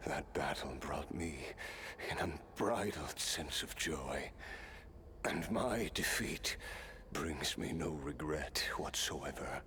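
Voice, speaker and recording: An actor playing a grave, tormented immortal warrior in a fantasy video game, speaking in a measured, formal, dramatic way. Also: male voice, very deep voice, lively intonation, fairly bright tone, a little hiss or hum, heavily acted. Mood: intrigued, reflective. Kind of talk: scripted video game voice acting.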